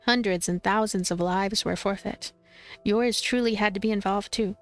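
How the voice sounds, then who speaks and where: A woman reading a visual novel aloud as a let's play streamer, expressive and playful, with commentary. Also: medium pitch, normal speed. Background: game music.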